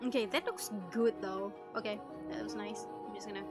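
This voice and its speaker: This woman's voice is medium-pitched, steady and brisk as she livestreams herself voicing a visual novel with music in the background. Chatting casually, she mutters, exclaims and mixes in Japanese phrases.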